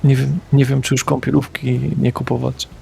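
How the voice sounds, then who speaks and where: A man's voice: medium pitch, completely flat delivery, normal speed, vocal fry, darkish tone, soft background music. A man speaking in character in a tabletop roleplaying game, casual and rambling. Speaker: player.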